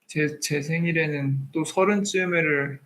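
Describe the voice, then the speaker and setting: A man's voice: a little high, fairly even intonation, measured pace, a bit bright. A 30-year-old man hosting a live stream, chatting casually with viewers and slipping between polite and informal speech.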